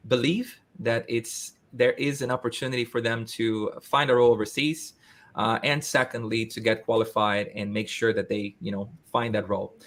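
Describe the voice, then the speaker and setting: A man, hosting a casual interview in English, talking in an animated way with frequent restarts. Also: mid-range voice, moderate pace. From Brazil. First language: Portuguese. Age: 30s. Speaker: host.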